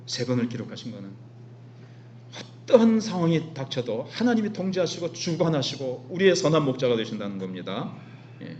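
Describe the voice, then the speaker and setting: A man's voice: medium pitch, sing-song, fairly quick, darkish tone. A man with a Gyeongsang dialect preaching a Sunday sermon as pastor, asking the congregation questions and answering them himself. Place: church sanctuary. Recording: dull recording with faint hum.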